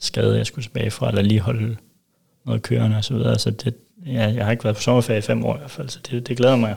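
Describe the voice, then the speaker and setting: This man's voice sits fairly low in pitch and sounds somewhat breathy. He speaks at a very fast pace with fairly even intonation. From Denmark, Silkeborg (central Jutland). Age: 20s. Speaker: retired footballer. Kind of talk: interview. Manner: halting.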